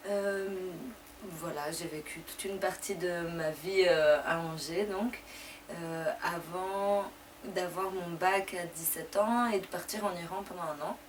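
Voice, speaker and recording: Raised in France with Persian as her first language, a young deputy mayor shares her life story in an interview using a fairly low-pitched voice. She speaks loosely and conversationally, pausing often, and the distant mic captures clear background noise.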